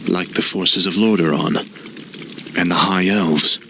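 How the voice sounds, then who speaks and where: An actor playing a ruthless fallen prince turned death knight who talks in a cold, proud voice, in a game cinematic. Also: male voice, low-pitched, measured pace, pushed and bright, a little hiss or hum, exaggerated voice. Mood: probing. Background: orchestral music.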